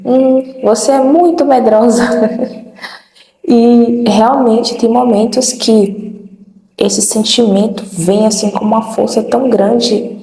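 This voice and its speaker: A woman's voice: mid-range voice, vocal fry, warm tone, roomy sound, rough recording. A woman preacher giving an earnest, personal devotional testimony as a channel host, often quoting what she heard God say.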